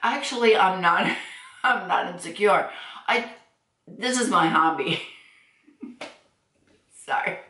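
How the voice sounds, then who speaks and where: A woman's voice: medium pitch, expressive, slow pace, long pauses, pushed and bright. Chatty woman in her sixties, roomy echo. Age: 60s. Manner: chatty, laughs often, frank. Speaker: beauty vlogger. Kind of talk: casual chat reading viewer comments. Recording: echoey room.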